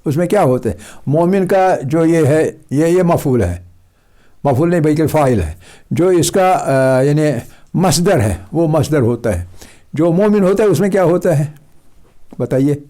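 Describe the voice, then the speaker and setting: Lively, mellow-voiced man teaching pronunciation. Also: on the high side. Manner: patient, repeats examples slowly and drills students. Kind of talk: Quran pronunciation lesson.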